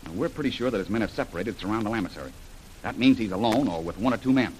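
A man's voice: on the low side, animated, very fast, a little mellow, slight background noise, natural voice, rough recording. An actor playing a bold, confident male jungle adventurer who takes charge in an old radio serial.

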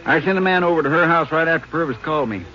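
An actor playing a plain-spoken, helpful small-town Texas sheriff in a 1950s radio western. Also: male voice, fairly high pitch, very fast, muffled recording, close to an everyday voice. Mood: matter-of-fact. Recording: noisy, band-limited 1950s radio recording.

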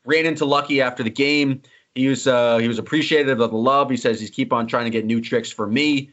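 A man's voice: mid-range voice, steady tone, fairly bright tone. Guy hosting a sports podcast, jokey and teasing, kinda dull lo-fi sound. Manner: joking, quick and teasing. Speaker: podcast host. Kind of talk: casual sports podcast chat. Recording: slightly dull lo-fi audio.

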